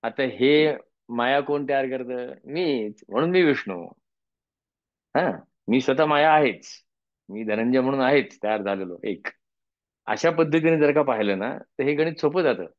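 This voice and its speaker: A man teaching Sanskrit chanting, explaining verses conversationally with homely examples and reciting slowly. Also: mid-range voice, expressive, no room sound, lo-fi sound. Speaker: teacher of Vishnu Sahasranama chanting. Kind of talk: spiritual lesson with chanted verses.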